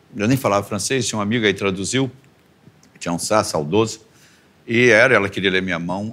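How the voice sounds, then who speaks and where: A man speaks with a fairly low pitch. His tone is bright and sharp. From Espírito Santo, Brazil (Vitória); Espírito Santo, Brazil. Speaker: theatre actor. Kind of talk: TV talk show interview. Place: studio. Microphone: lapel.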